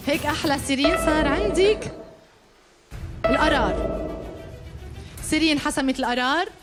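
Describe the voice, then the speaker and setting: A woman's voice: high-pitched, normal speed. A woman with a Lebanese accent presenting a talent show as its host. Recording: music and crowd behind.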